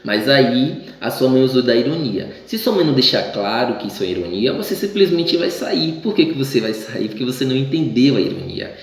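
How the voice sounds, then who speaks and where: A man's voice: medium pitch, very animated, brisk, few pauses, slight background noise. A male teacher from Bahia, Brazil, giving a casual class lesson, stumbling and restarting often and acting out the voices he quotes. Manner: chatty, acts out quoted voices, many restarts. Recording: very echoey room.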